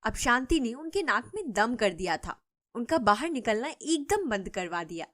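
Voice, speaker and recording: A woman narrates an animated storybook in a steady, scripted telling. Her voice sits a little higher than usual for a woman. The delivery is even and clear. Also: moderate pace.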